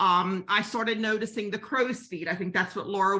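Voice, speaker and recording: With fairly even intonation, a woman speaks at a medium pitch in a normal speaking voice. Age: 60s. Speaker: product user giving testimonial. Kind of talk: testimony.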